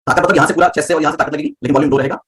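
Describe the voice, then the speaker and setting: Fast-talking male voice coach. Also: on the high side, fairly even intonation. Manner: explains with everyday examples and checks understanding. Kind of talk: live online class.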